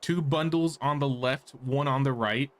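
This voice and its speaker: A man's voice: mid-range voice, moderate pace. A man streaming a game, giving casual live commentary with dry, wry asides.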